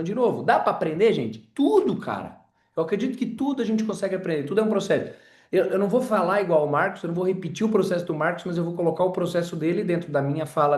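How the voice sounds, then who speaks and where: A man's voice: high voice, darkish tone, reverberant. A man teaching an informal sales class, chatty and full of personal stories, talking straight to his audience. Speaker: sales trainer.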